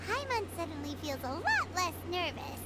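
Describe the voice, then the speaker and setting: An extremely high, chirpy little fairy girl for a video game. She is excitable and naive, with a very lively, swooping pitch. Loud noise sits behind the voice. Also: normal speed. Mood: amazed, relieved. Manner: chirpy, naive, refers to herself in third person. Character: tiny, excitable, childlike female fairy companion. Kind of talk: scripted video game voice acting.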